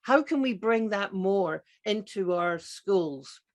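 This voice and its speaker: A woman's voice: mid-range voice, expressive, slow pace. A middle-aged woman with a Scottish accent, giving an emphatic, enthusiastic conference talk as a psychiatrist who repeats her key words. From grew up partly in Scotland. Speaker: psychiatrist and keynote speaker. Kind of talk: conference presentation.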